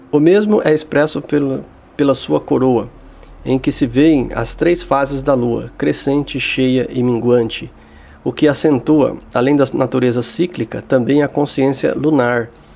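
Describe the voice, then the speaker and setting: A man at medium pitch speaks at a fairly slow pace with ordinary pitch variation and very even loudness. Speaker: tarot archetype teacher. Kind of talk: lecture.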